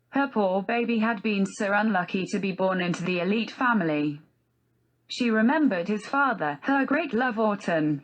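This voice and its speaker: A synthetic text-to-speech woman's voice reading a novel aloud as scripted narration, with a flat synthetic delivery. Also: medium pitch, low-quality recording.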